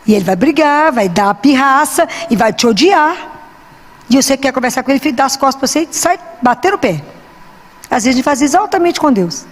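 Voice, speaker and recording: A woman's voice: high voice, expressive, a little fast, in a large hall. A woman preaching a sermon earnestly, telling stories with quoted dialogue.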